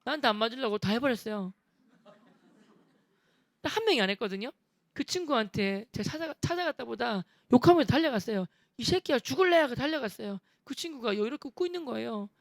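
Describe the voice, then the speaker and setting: A man with a Busan accent, a church deacon, telling his testimony with humor and punchy, rough-spoken quotes. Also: very high-pitched, fast talker, no room sound. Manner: lively, humorous storytelling with rough dialect quotes. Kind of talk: animated testimony with acted quotes.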